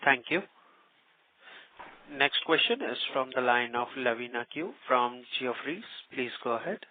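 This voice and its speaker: A male moderator makes formal announcements on a conference call. His voice is mid-pitched and comes over a thin telephone line. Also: lively intonation, measured pace. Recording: narrow phone line.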